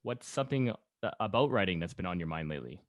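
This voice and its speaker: A man's voice: low voice, lively intonation, quick pace, no echo, muffled recording. A man chatting casually as a podcast host. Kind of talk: casual chat.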